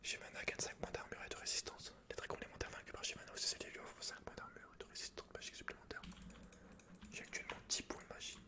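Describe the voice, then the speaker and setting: A man whispering casual, slangy, sweary ASMR commentary while he plays a video game, in a breathy unvoiced whisper. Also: fast talker, bright, forceful tone. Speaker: host of an ASMR gaming channel. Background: computer keyboard clicks and typing.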